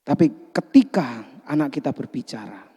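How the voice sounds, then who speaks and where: A man preaching a sermon as pastor, animated, joking and asking the congregation questions. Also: mid-range voice, moderate pace, slightly rough. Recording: long hall reverb.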